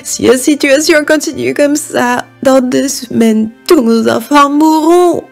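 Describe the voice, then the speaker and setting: A man's voice: extremely high pitch, unhurried, gravelly, soft background music, pitched above the performer's own voice, heavily acted. A man voicing an anxious mother sow who fears for her piglets, plaintive, in a cartoon fable. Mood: distraught.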